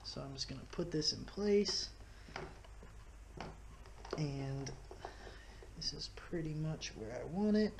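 A Texan man who hosts fishing videos talks casually in his living room, explaining step by step as he builds something with his hands and records on a head-mounted action camera. His voice sits on the high side, animated and creaky, and he takes it slowly with frequent pauses. There's noise in the background.

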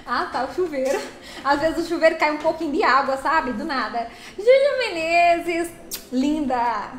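A woman chatting lively on a live stream, greeting viewers by name while playing a truck game. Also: high-pitched, measured pace, echoey room, slight background noise.

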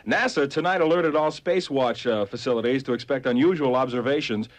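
A man's voice: mid-range voice, brisk, lightly acted. A man working as a radio DJ, wisecracking through old-time top-40 patter. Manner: joking, wisecracking.

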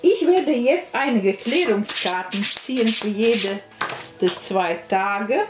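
Slow-talking woman reading cards in echoey room. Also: a little high, animated. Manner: halting, repetitive, frequent tag questions. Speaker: tarot card reader and spiritual coach. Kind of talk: unscripted card-reading monologue to viewers. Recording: roomy echo with music behind. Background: music.

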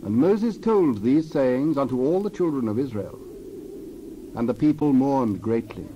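A man's voice: medium pitch, animated, a little slow. Solemn male narrator, slightly dull recording. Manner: solemn, formal. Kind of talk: scripted dramatized Bible narration. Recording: dull sound, faint noise, birdsong behind.

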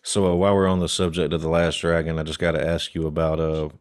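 Young man, very low voice, podcast host, friendly questions, casual chat. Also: flat delivery, fast, clear, resonant tone.

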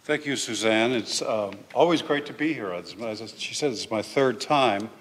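An older man giving a public history lecture in a large hall, talking informally and filling pauses with "uh" and "okay". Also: medium pitch, fairly bright tone, a little hiss or hum. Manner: chatty, with frequent "uh" and "okay". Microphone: lectern microphone. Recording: reverberant hall.

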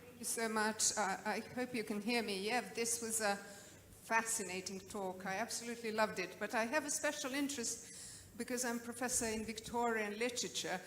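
A woman's voice: fairly high pitch, fairly even intonation, fairly quick, a bit bright. A woman, a professor, speaking enthusiastically and articulately as she asks a question at a conference. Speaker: professor of Victorian literature asking a question. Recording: echoey room with background noise.

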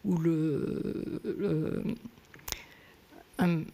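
Woman in her 60s talking slow and flat on a stage mic, gravelly, keeps restarting sentences. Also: sits low. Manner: hesitant, searching for words with many restarts. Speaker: guest author. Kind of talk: thoughtful conversation on stage. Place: literary stage, small theater. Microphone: stand mic close to the mouth.

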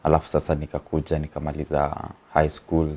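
A man's voice: rumbling low, monotone, quick pace, darkish tone, breathy edge. A young Kenyan man with a Kenyan accent, a comedian guest telling his story in a casual interview, rambling and chuckling, mixing in slang, on an indoor studio set.

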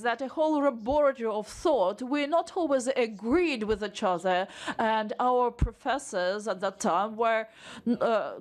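A woman interpreting a conference panel as it happens, her voice sitting a little on the high side. She speaks in stop-start phrases, filling gaps with frequent pauses and restarting sentences as she catches up with each speaker. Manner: halting, many filler pauses and restarts while rendering speech. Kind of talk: simultaneous interpretation of a panel discussion.

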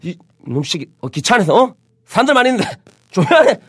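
A man from Busan co-hosting a casual talk show, telling stories with animated, acted-out quotes. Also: high voice, fast talker, slightly rough, no room sound, studio quality. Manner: animated storytelling, acting out loud quotes. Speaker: podcast co-host. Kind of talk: casual chat.

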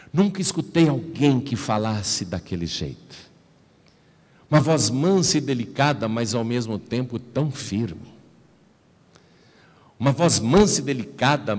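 A man preaching a personal testimony, shifting from slow, hushed, low delivery to high, emotional outbursts. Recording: long hall reverb.

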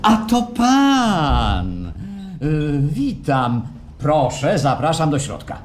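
Suave institute president, swooping, animated delivery. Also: male voice, fairly high pitch, extremely slow, faint music behind, full character voice. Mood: welcoming. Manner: courteous, salesmanlike, smoothly insistent. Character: suave, assured male institute president pitching happiness. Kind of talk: theatrical radio play acting. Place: performed live at a radio theatre festival. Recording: live stage radio play, faint noise.

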